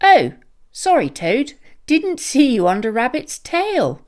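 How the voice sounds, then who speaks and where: A woman's voice: high-pitched, wildly swooping pitch, takes it slowly, a little mellow, heavily acted. A woman voicing a grumpy, blunt old male badger in a children's storybook, exclaiming in exasperation. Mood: apologetic. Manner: grumbling, exclaiming.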